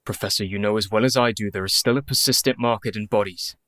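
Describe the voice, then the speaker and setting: An actor playing a skeptical doctor who argues calmly for rational explanations. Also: male voice, fairly low pitch, fast, dry recording, clean studio sound. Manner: skeptical, reasoned.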